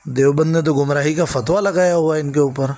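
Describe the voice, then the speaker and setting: High-pitched, persistent man. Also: fairly even intonation, brisk, background noise. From Gujarat, India. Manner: persistent, talks over the other man, honorific-laden address. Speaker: caller questioning a cleric on a recorded phone call. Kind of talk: argumentative phone conversation. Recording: recorded phone call.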